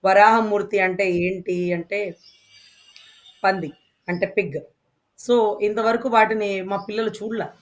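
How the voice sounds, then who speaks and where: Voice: medium pitch, fairly even intonation, unhurried, pauses often. An interview guest speaking with passion, firing off emphatic rhetorical questions. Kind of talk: impassioned interview talk.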